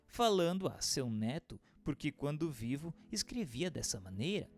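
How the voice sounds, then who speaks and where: A Brazilian man reading a book aloud as a narrator, in a formal, declamatory and deliberate scripted delivery. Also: fairly high pitch, big pitch swings, no echo, faint music behind. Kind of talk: scripted audiobook-like narration of a spiritist treatise.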